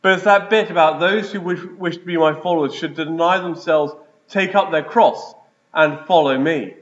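Priest with a big church echo. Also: male voice, on the high side. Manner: measured liturgical delivery. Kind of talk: gospel reading and sermon. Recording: echoey church, dull lo-fi sound.

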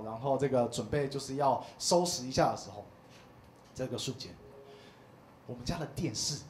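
A man in his thirties performing a stand-up comedy set, telling stories in an animated way and acting out the people in them. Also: on the high side. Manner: animated storytelling, acts out quoted voices. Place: small comedy club stage. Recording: echoey comedy club with faint noise.

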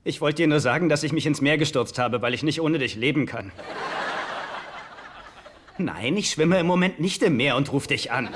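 A man's voice: a little high, animated, moderate pace, pauses often. An actor playing a naive, lovesick rich man in a dubbed sitcom, earnest, guileless and a little sulky. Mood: lovesick, pleading. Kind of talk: German-dubbed sitcom acting.

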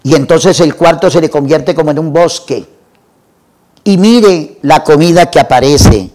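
A man retelling a classic novel for a literature program, in a measured way and lingering over lists. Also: on the high side, darkish tone. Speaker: literature presenter.

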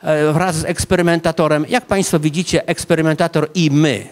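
A man's voice: on the high side, steady tone, a little fast. A man in his fifties, a psychology professor, giving a public lecture to a seated audience and talking them through a scene as a vivid story, with frequent hesitation fillers, on a handheld microphone in an ornate hall.

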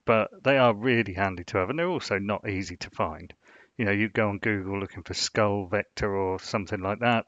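Man, low voice, casual tutorial walkthrough, rambling, dull dry lo-fi recording. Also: fairly bright tone, no room sound. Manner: rambling, full of "you know" fillers. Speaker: design channel host. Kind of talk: casual screen-share tutorial.

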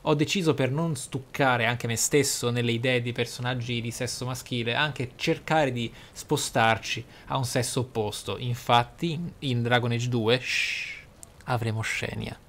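A gaming video host, a man with a medium-pitched and slightly bright voice, talks at a normal pace over game music. His casual gameplay commentary is theatrical, full of flowery wording and exclamations.

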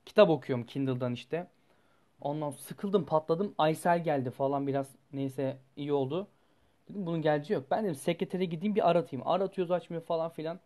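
A young man, a student, telling a story to his viewers in a casual, animated way, blunt and full of swearing, his voice jumping up and down as he goes. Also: fast. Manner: animated, blunt and profane, with sudden jumps in pitch and loudness.

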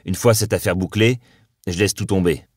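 A man reading the lines of a weary policeman in love, quiet and resolute, in an audiobook. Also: low-pitched, normal speed, dry recording, clean studio sound. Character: weary male cop torn between two women.

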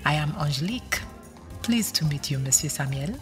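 Low female voice actress as coy, mysterious vampire seductress for horror audio drama, music clearly behind. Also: lively intonation, brisk. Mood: coy, flirtatious.

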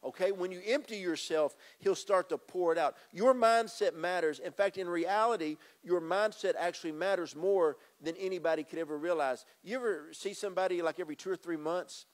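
A middle-aged man delivers a sermon into a handheld microphone, his voice sitting a little higher than most men's. He talks straight to the congregation, pressing his points by repeating phrases as he moves about the stage. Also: brisk, hardly any pauses. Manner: emphatic, repeats phrases, addresses congregation directly. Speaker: pastor. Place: church stage with drum kit. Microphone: handheld mic.

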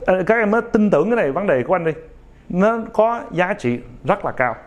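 A high-pitched man with big swings in pitch talks casually to young viewers to motivate them. He hesitates often, leans on fillers, has an imperfect accent, and keeps tagging on "ok?".

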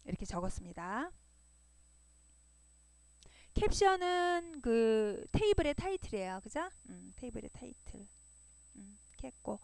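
Over a screen recording, a woman teaches a web design lesson, patient and repetitive, often checking in with her listeners with "그죠?". Her voice is a little high and darkish, sing-song and a little slow, with vocal fry and frequent pauses, and there's no echo.

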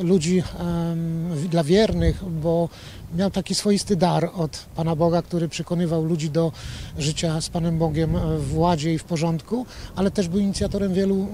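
A man in his sixties, a regional official, speaking outdoors into a handheld reporter mic, slow and measured with frequent fillers. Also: high-pitched, mellow, a little hiss or hum. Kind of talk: outdoor news interview. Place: outdoors by a church building.

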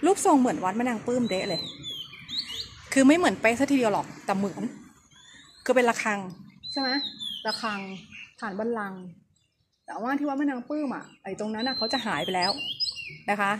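A woman with a fairly high, expressive voice talks a little fast but leaves long pauses. She's a travel vlogger giving a chatty, hushed walking tour of a temple outdoors on an overcast day. The recording is noisy, as outdoor audio tends to be.

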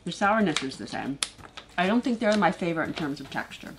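A woman chats while chewing, her words slightly thick around the candy. Her voice sits a little low, and her tone stays measured as she gives her verdict. Soft music plays faintly underneath. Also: very animated. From Canada. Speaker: co-host tasting candy. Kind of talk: casual taste-test chat.

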